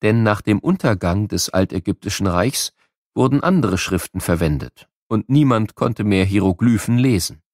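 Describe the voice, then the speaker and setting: A man reading scripted educational narration for children, explaining things like a storyteller with clear enunciation. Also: lowish voice, lively intonation, normal speed, darkish tone, no room sound, clean studio sound.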